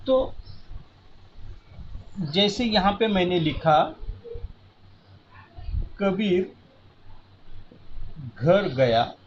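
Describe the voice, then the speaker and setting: A man's voice: high voice, a little hiss or hum. A man teaching a lesson at a board, explaining patiently step by step and counting aloud as he goes. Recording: muffled lo-fi audio.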